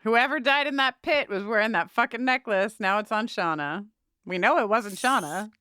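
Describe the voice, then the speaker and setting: Animated, swearing woman podcast co-host. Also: a little high, normal speed, clear, resonant tone, no echo, clean studio sound. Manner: animated, swears freely, acts out character lines. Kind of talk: casual recap chat.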